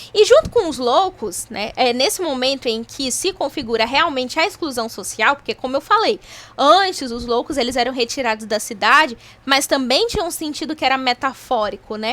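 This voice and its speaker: Bright and sharp in tone, a woman with a Brazilian accent speaks at a high pitch and a moderate pace, her delivery animated and her intonation lively. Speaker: psychology lecturer. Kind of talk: online class lecture.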